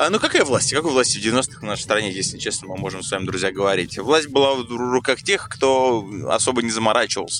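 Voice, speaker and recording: The speech comes at a very fast pace. Noticeable background noise is present. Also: man, medium pitch for a man, lively intonation. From Russia. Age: 30s. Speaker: podcast host. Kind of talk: spontaneous monologue.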